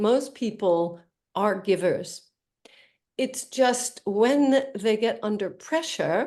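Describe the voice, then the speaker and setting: A woman's dark, mellow voice at a fairly high pitch, very slow, with a slight New York accent, against a quiet background. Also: ordinary pitch variation. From New York, US. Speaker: charity founder and speaker. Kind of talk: webinar talk.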